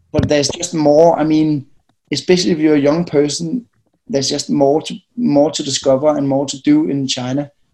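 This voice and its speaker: Speaking with a Danish accent, a man has a fairly high pitch and a dark, mellow tone. His pace is moderate. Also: ordinary pitch variation. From Denmark, Copenhagen. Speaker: journalist. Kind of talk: interview.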